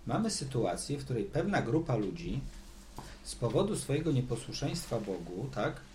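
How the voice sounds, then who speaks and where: A man's voice: medium pitch, sing-song, moderate pace, a little mellow, a little hiss or hum. A man leading a Bible study, teaching in a conversational way, asking the group questions and repeating words as he thinks.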